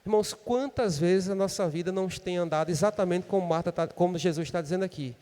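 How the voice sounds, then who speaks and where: A man's voice: high-pitched, fast, dark tone, big-room sound. A man with a Brazilian Portuguese accent preaching a sermon in a conversational way, often tagging his sentences with a questioning "né?". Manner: conversational preaching with frequent "né?" tags. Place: church.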